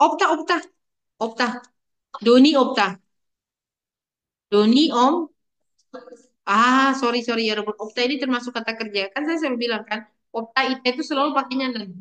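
A young woman teaches a language class online, with a voice a little higher than most women's. She is chatty and playful and keeps calling on her students by name as she explains the grammar. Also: moderate pace, pauses often, fairly bright tone.

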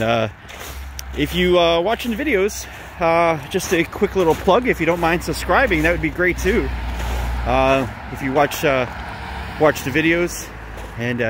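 A man walking outdoors on a city street, talking casually to his phone camera as he reports on abandoned houses, with plenty of ums and restarts. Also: on the high side. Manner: rambling, many ums and restarts. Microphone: handheld phone camera. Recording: faint street noise outdoors.

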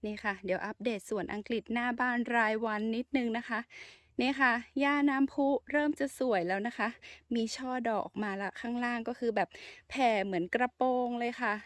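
A woman's voice: on the high side, fairly quick, no room sound, studio quality. A woman chatting casually and politely as she walks through her home garden outdoors, showing her plants. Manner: chatty, soft-spoken, polite with frequent particles. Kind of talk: casual garden tour vlog.

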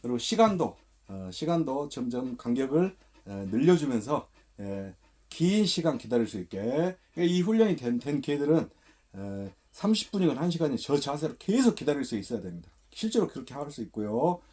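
Husky-voiced man giving firm dog commands. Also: medium pitch, fairly quick. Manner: short firm commands mixed with calm explanation. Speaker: dog trainer. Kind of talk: hands-on training demonstration. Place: indoors, a room.

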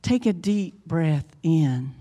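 A woman with a lowish, soft-toned voice leads a guided meditation as a minister. She phrases deliberately and soothingly, leaving long gaps. Her words ring in a long reverb. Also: expressive. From United States. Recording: long reverb, music behind. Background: instrumental meditation music.

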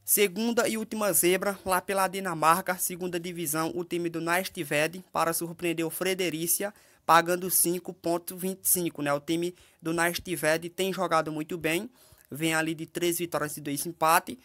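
A man's voice: on the high side, moderate pace. A man with a Brazilian accent giving football betting tips in a casual voice-over. He lists odds and picks one by one, often checking in with the listener through tag questions. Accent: Brazilian Portuguese. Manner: ends phrases with tag questions to the audience; steady, methodical listing of odds and picks.

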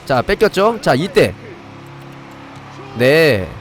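A man's voice: fairly high pitch, big pitch swings, extremely slow. Man, game stream host, very varied intonation, step-by-step commentary, talking to viewers, faint background music. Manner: demonstrates step by step while breaking off to address viewers. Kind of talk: live gaming commentary and review, chatting with viewers.

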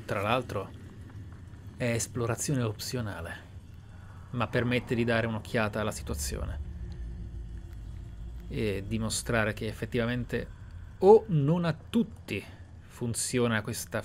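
A man narrating a video game playthrough in a measured, deliberate, theatrical way. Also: mid-range voice, creaky, a little mellow, slight background noise. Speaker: gaming channel host. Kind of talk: Let's Play roleplay narration and commentary. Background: video game ambience.

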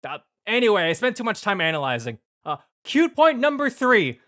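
A man's voice: high-pitched, big pitch swings, moderate pace, pushed and bright. A man narrating a scripted review with enthusiasm, in a playful, gushing and emphatic manner. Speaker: video reviewer.

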